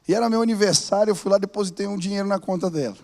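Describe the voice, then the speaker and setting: High-voiced pastor preaching in a hall. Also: male voice, racing. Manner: animated, rising to fervent exhortation. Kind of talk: storytelling sermon. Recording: long reverb of a large hall.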